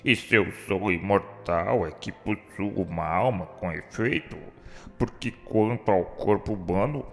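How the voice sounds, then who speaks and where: An actor playing a remorseful, educated suicide's spirit in a radio drama, speaking solemn, formal, declamatory lines. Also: male voice, low voice, measured pace, gravelly. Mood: solemn conviction. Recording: long hall reverb, music underneath.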